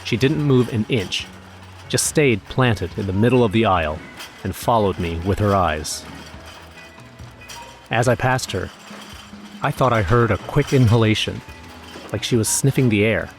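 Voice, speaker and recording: A low-pitched male everyman tells a first-person horror tale. His delivery is wry and measured with an uneasy edge, over a faint music bed. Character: wry, nervous everyman narrator recounting a snowstorm errand.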